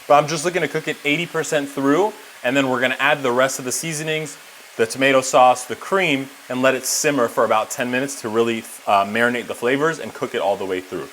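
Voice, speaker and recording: A man's voice: medium pitch, fast talker, a bit bright, a little hiss or hum. Casual, chatty male home cook. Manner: chatty, instructive, talking to viewers. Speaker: home cook presenting a recipe. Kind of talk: casual cooking demonstration.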